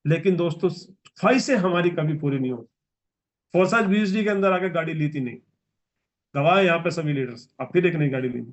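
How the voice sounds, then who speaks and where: A man in his forties gives a motivational business training speech, exhorting the audience emphatically and repetitively. His voice is a little high and brisk.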